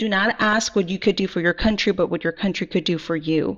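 A woman's ordinary speaking voice at medium pitch, with fairly even intonation. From Texas. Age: 40s. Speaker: regional party director. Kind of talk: interview.

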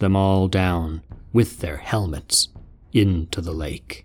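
On a very clean recording with a silent background, a man speaks very slowly in a very deep, low pitch. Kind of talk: epic poem narration, scripted dramatic reading with character voices. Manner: grand, formal, declamatory, with shifts in voice for each character; animated, dramatic, mock-heroic.

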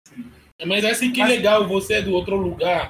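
Noticeable background noise accompanies a man speaking in a high pitch with ordinary pitch variation. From Benin. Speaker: musician. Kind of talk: casual chat. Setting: studio.

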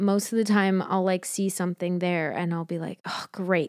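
A woman's unremarkable speaking voice at medium pitch and moderate pace, with an American accent, dry and close with no echo on a very clean recording with a silent background. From Montana. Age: 20s. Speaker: podcaster and photographer. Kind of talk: casual solo chat. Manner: relaxed, filler-heavy.

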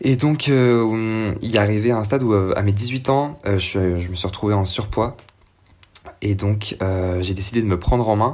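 Speaking at a fairly slow pace, a man with a fairly low pitch uses ordinary pitch variation. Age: 20s. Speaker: YouTuber on plant-based eating. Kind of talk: interview testimony. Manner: halting.

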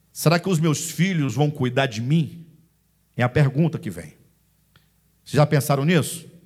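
A man's fairly high voice with vocal fry, ordinary pitch variation, a moderate pace and long, frequent pauses. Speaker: pastor. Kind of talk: sermon.

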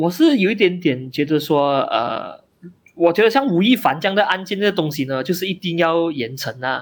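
The speaker talks at a moderate pace with a Malaysian accent. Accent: Malaysian Mandarin. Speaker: podcast guest. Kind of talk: casual chat.

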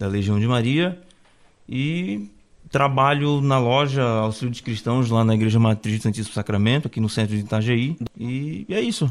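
This man has a plain, everyday voice, a medium pitch and ordinary pitch variation, speaking at a moderate pace against a quiet background. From Brazil, Recife, Pernambuco. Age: 20s. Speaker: seminarian. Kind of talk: casual chat.

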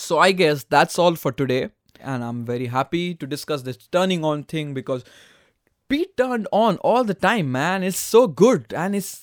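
Animated in tone, the voice swings very widely in pitch at a moderate pace, in a very clean recording with a silent background and a dry, close sound with no echo. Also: man, high pitch for a man. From India. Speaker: podcast host, designer and musician. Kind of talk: casual solo podcast monologue. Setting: friend's home recording studio.

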